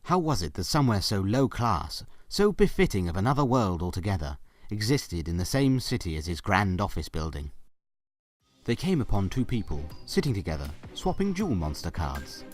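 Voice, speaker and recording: A man narrating a scripted story in a dramatic, expressive storytelling style. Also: low voice, normal speed, no room sound, faint music behind. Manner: expressive, theatrical.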